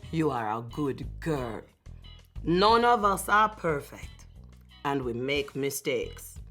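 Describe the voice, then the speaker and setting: A woman voicing a stern but kindly old grandmother in a storybook, measured and wise. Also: rumbling low, sing-song, bright, forceful tone, soft background music, exaggerated voice. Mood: reassuring. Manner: measured, admonishing, reassuring.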